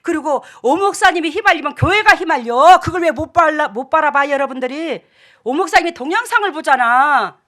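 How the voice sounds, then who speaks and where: A woman's voice: high voice, expressive, a little fast, a bit bright. A middle-aged woman pastor, preaching a sermon in an emphatic, scolding way and acting out the dialogue she quotes.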